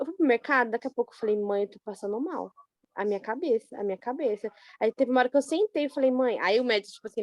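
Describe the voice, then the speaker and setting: A Brazilian woman in a study group, telling a personal story in a chatty, animated way with many fillers. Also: sits high, no echo. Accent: Brazilian Portuguese. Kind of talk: casual personal account.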